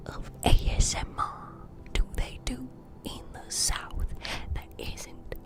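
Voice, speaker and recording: A woman from the United States whispering ASMR close to the mic in a playful, teasing way. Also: takes it slowly. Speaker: ASMR creator.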